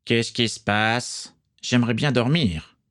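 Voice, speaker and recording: A man's voice: mid-range voice, slow pace, fairly bright tone, pitched above the performer's own voice. A man voicing a cold, commanding vampire pirate officer who hisses his orders. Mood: stern. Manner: hissing, stern.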